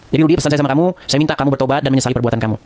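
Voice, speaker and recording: A man's voice: mid-range voice, steady tone, racing, a little mellow, no room sound. A man hosting a Christian apologetics channel, speaking straight to camera, calling his target by name again and again. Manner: scolding, repeatedly calls the target by name. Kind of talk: direct-to-camera rebuke.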